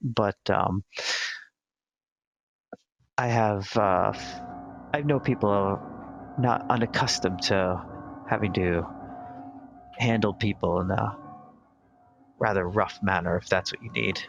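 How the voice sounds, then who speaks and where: A shrewd, charming Turkish boss who deals with a winning smile, played by a man. His voice sits low and easy. Music plays clearly behind him. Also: slow pace, long pauses, dull audio. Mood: genial. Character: smooth Turkish businessman boss, genial and shrewd.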